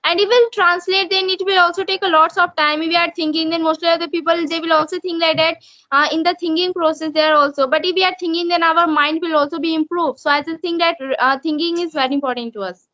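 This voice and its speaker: A young woman from Jharkhand with an Indian accent and Hindi as her native language, speaking English haltingly with many restarts. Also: very high voice, steady tone, bright, forceful tone, no room sound, muffled recording. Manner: halting, with frequent restarts and fillers. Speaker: English learner in a practice conversation. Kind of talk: casual conversation practice.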